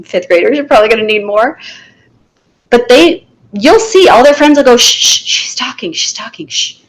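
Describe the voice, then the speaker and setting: A middle-aged woman, a special needs teacher, talking in an interview in a firm, animated way and acting out what she says to her class. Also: on the high side, normal speed, poor audio. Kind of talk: conversational interview.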